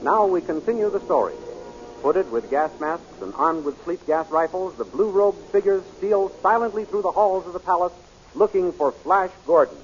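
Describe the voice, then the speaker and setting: A man's voice: high voice, animated, normal speed, soft background music. A man narrating a 1930s radio serial in a formal, dramatic announcer's style. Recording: muffled 1930s radio recording.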